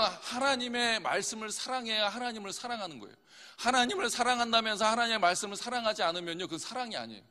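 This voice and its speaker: High lively-voiced male pastor preaching. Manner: asks the congregation questions and answers them himself. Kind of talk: sermon. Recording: long hall reverb.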